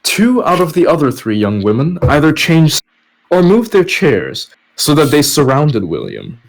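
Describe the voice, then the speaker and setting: A man's voice: a little high, wildly swooping pitch, unhurried, poor audio. A man narrating a web novel chapter as a podcast host, reading scripted prose aloud. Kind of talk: story narration with casual asides.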